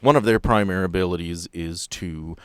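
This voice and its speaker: Low-voiced man running a tabletop game. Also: fairly quick, fairly bright tone, clear, resonant tone, dry recording. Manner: playful, conversational. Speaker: game master. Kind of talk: casual improvised tabletop narration.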